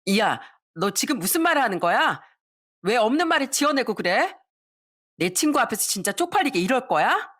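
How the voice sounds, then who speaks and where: A woman's voice: medium pitch, big pitch swings, normal speed, fairly bright tone. Yujeong, a sneering young woman, as a woman narrator puts her on. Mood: flustered. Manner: taunting, sneering. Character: scheming young woman, haughty and mocking.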